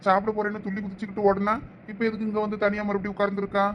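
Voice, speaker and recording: A man's voice: high-pitched, completely flat delivery, racing, a little hiss or hum, close to an everyday voice. A man playing a senior student, keeping up a nosy running commentary on what he sees. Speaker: senior student in a comedy skit.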